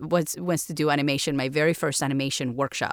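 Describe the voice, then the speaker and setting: A woman speaks with a Spanish accent, recorded dry and close with no echo. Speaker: voice actor. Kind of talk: casual interview.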